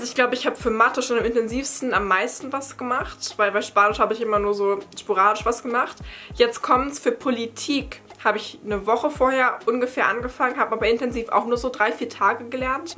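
Young woman from berlin, bright highish voice, chatty and explainy, casual q&a vlog at home. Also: fairly even intonation, fairly quick. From Berlin, Germany. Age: young adult. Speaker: study-advice vlogger. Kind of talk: casual Q&A chat to camera. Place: bright attic room at home.

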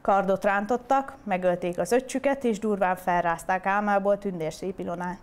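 A woman reading a long fairy tale aloud as storyteller, with steady, clear delivery. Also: mid-range voice.

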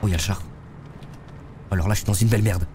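A man's voice: fairly low pitch, steady tone, racing, background noise. A young man, streaming a game live and chatting loosely with viewers in slangy talk while congested with a head cold. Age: young adult. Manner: slangy, loose, talks to chat while playing. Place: streaming room, seated in a gaming chair.

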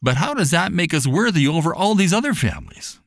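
A man's voice: fairly high pitch, sing-song, brisk, no room sound, studio quality, voice pushed up. A man voicing a humble, grateful family father in a storybook, earnest and polite. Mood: puzzled.

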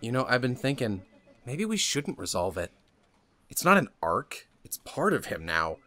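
A man's voice: mid-range voice, very animated, normal speed, bright, forceful tone, pitched below the performer's own voice. A man playing a weary, earnestly melancholy writer in a cartoon sketch. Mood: somber, resigned.

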